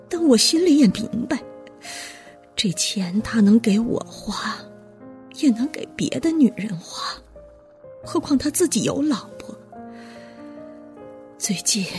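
Actress doing a fed-up village mom in a radio drama, highish voice, bitter and halting, faint music under it. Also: female voice, a little mellow. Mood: bitter, resigned. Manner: sighing, resentful, halting. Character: bitter, weary village wife and mother, calculating. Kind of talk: dramatic inner monologue in an audio drama.

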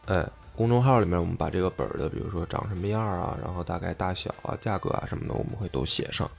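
A man hosting a casual history podcast, explaining deliberately and often rephrasing himself. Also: sits low, creaky, slightly rough. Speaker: podcast host.

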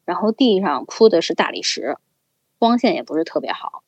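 A young woman casually telling a story as a podcast co-host, with an animated, chatty manner. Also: lowish voice, moderate pace, slightly rough, dry recording. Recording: slightly dull, dry recording.

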